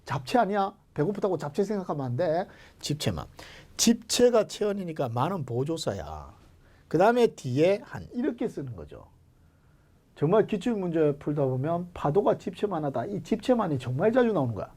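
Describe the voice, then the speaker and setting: A man teaching Korean grammar for civil service exams in a jokey, animated way, jumping between loud calls and whispered asides, his throat strained. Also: on the high side, moderate pace. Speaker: Korean language exam lecturer. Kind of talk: online exam-prep lecture.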